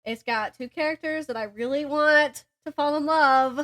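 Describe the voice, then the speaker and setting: A young woman with a distinctly high voice talks as a podcast co-host. She rambles through everyday stories in a casual, chatty style, and her delivery is giggly. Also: normal speed, a bit bright. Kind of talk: casual chat between friends.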